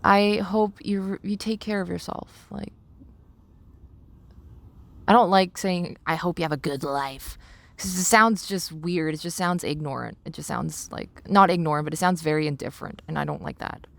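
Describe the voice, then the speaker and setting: Her voice fairly low and creaky with no echo, a young adult woman reflects on personal matters as a podcast host. She pauses, hunts for words, and repeats phrases.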